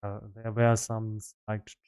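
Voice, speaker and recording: A man giving casual live-stream commentary as a game developer, explaining his work in halting fragments as he thinks aloud. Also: lowish voice, completely flat delivery, darkish tone, clean tone.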